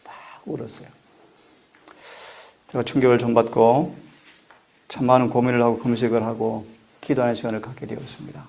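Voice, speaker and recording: A middle-aged man delivers a sermon as a pastor, speaking in an earnest, measured way. His voice sits at an ordinary pitch with a gravelly edge. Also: flat delivery, darkish tone. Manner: earnest, measured preaching with prayer requests.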